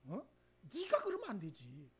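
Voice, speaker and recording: A man's voice: sits high, huge pitch swings, normal speed, slightly rough, heavily acted. A man voicing God bluntly scolding him, in a stern, father-like tone.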